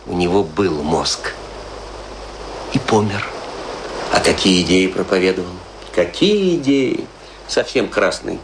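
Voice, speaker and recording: Low, swooping, morbidly wry storyteller. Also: male voice, expressive, measured pace, pauses often, background noise. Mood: mocking, gossipy. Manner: theatrical, ironic, rhetorical questions, dramatic swings. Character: chatty, morbidly wry man musing over death and graves. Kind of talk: theatrical radio play monologue, conversational Russian storytelling.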